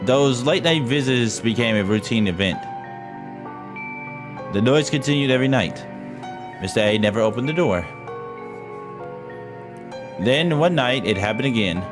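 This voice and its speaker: Male streamer, low voice, dramatic horror read-aloud with loose profane asides and stumbles, prominent music bed. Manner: casual, profane, interjecting, stumbles over reading. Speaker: streamer reading a visual novel aloud. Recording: loud music behind voice. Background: game music.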